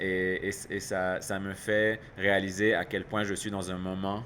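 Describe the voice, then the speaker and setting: A man with a fairly low pitch speaks in a bright, sharp tone with monotone, flat intonation. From Quebec, Canada (born in Lebanon). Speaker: podcast guest. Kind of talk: casual interview conversation. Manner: halting, many repetitions and fillers.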